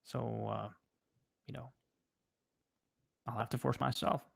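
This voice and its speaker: A man with a French accent, a native French speaker, chatting casually on a livestream and answering viewers in a halting way, often pausing mid-sentence. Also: medium pitch, little pitch movement, vocal fry. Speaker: livestream host.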